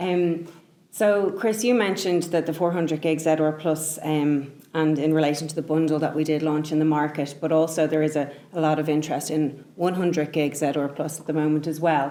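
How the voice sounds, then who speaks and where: In an Irish accent, a woman with a very deep, low pitch talks at a fairly quick pace and fairly even intonation, with noticeable background noise behind her. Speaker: marketing executive, interviewer. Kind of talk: business interview.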